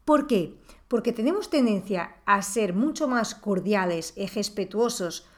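A woman's voice: medium pitch, expressive, measured pace. A woman talking through a reflective monologue on parenting, asking the listener rhetorical questions. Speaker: parenting podcast host.

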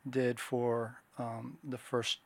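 A middle-aged man with a gravelly, creaky edge to his voice talks at an easy, measured pace, sprinkling his story with fillers. He is a guest on an interview show, and the recording is dry and close with little room sound. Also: mid-range voice, completely flat delivery, no room sound. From Washington State, USA. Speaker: podcast guest, security consultant. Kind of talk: casual interview conversation.

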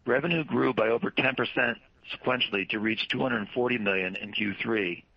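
A low-voiced man delivers formal, scripted corporate remarks as an executive. His voice is husky and creaky, and he reads in a measured, businesslike way. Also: no room sound, lo-fi sound. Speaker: company executive presenting quarterly results. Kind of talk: scripted earnings call presentation.

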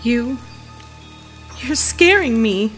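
A woman's voice: on the high side, lively intonation, extremely slow, fairly bright tone, faint music behind, heavily acted. An actress playing a shaken young woman in an audio drama, wary and wryly sarcastic. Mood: unnerved.

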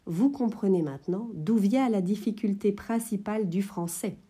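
A woman hosting an educational podcast, explaining French phonetics in a clear, measured way. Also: medium pitch, dark tone. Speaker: French teacher, podcast host.

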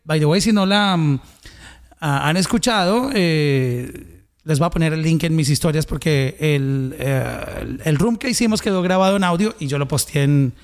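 A man's voice: fairly high pitch, normal speed. A man from Colombia with a Colombian accent, hosting a conversational interview. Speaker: host.

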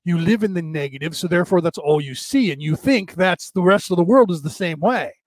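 A middle-aged man with a rough, odd-sounding voice, hosting a rambling, casual spiritual talk for a live audience. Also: sits high, lively intonation, fairly quick, no echo. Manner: rambling, many restarts and fillers. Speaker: livestream host.

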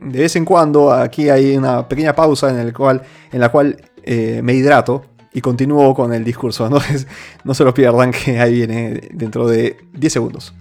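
A man's voice: mid-range voice, fairly even intonation, moderate pace, vocal fry, darkish tone, soft background music. Earnest Peruvian-born male host. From Peru. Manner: earnest, many restarts and fillers. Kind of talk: opinion monologue.

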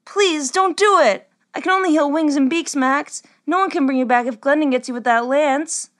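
An anxious young female cleric as a woman narrator plays her, pitched high. She is caring and earnest, with an urgent way of speaking suited to a fantasy storybook. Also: animated, normal speed, lightly acted. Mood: alarmed, pleading.

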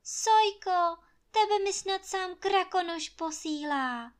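A young village woman in a fairy tale, high-voiced and animated. A woman reading aloud raises her pitch for her. She talks urgently and can snap sharply. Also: natural voice. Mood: eager. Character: lively young village woman, warm but sharp-tongued.

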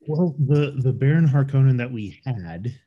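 A man's voice: mid-range voice, animated, unhurried, lo-fi sound. A man co-hosting a podcast, giving loose, opinionated takes on a film. He rambles, often restarts his sentences, and circles back to make his point. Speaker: podcast co-host. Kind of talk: casual movie review chat.

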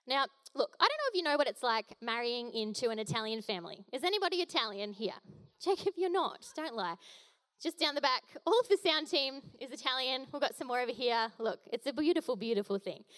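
Young woman, guest preacher, casual and jokey, slightly high voice. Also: sing-song, a little fast, fairly bright tone. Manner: chatty, playful, jokey asides. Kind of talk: casual sermon.

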